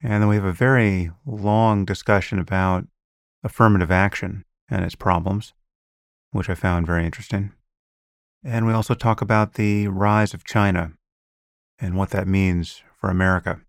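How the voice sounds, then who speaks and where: Low-voiced male podcast host, dry sound. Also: fairly even intonation, moderate pace, creaky, no echo. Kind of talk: scripted intro then interview.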